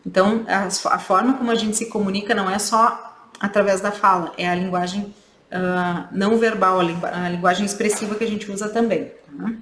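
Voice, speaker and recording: A woman's voice: mid-range voice, steady tone, brisk, fairly bright tone, a little hiss or hum. A woman clinician giving a training lecture, explaining points and checking in with tag questions. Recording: echoey room with faint ambience.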